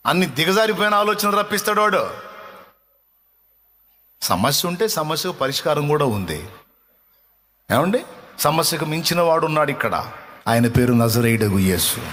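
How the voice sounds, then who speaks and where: A man preaching a sermon as a pastor, with emphatic repetition and slowing down for stress. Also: a little high, pushed and bright, in a large hall, a little hiss or hum.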